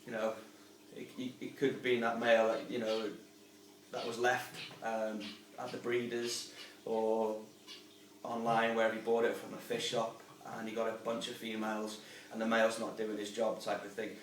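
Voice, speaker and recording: A man gives an informal, rambling how-to talk in an even, level voice. He sounds some distance from the camera mic, with roomy echo and faint ambience behind him. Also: fairly low pitch, normal speed, a little hiss or hum. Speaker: aquarium hobbyist and channel host. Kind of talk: casual how-to explanation.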